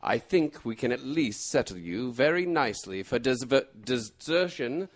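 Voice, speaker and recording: An actor playing a shrewd, composed gentleman detective in a radio mystery, explaining precisely and deliberately. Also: medium pitch, animated, lightly acted. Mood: triumphant. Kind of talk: old-time radio mystery acting.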